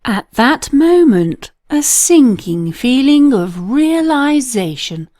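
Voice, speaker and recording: A woman narrates a children's storybook. Her delivery is unhurried and dramatic, with emphatic pauses and a very lively, swooping pitch. The sound is dry, with no room around it. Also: dry recording. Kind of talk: expressive read-aloud storybook narration.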